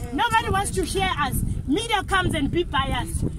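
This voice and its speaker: Over crowd noise in the background, a woman's voice comes through dry, with no echo. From South Africa. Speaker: community protester. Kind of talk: impassioned street protest speech to camera, airing residents' grievances. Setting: outdoors at a protest. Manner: heated, indignant and emphatic, repeating rallying lines; halting with stumbles and repeated words. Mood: angry, indignant. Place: street. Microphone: phone near.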